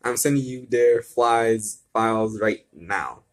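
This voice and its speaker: Man reading as solemn low-voiced commanding father. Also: takes it slowly.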